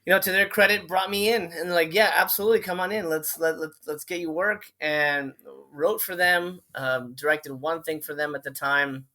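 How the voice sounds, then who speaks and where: A man's voice: fairly high pitch, normal speed, hardly any pauses, bright, forceful tone. A middle-aged man from Miami, a film director talking casually as an interview guest, chatty and full of fillers and restarts. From Miami, Florida.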